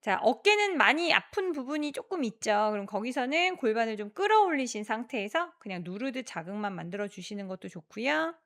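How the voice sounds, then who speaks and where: A woman exercise instructor guiding a workout, giving encouraging cues and counting reps aloud in a steady rhythm. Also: fairly high pitch, a little fast, few pauses.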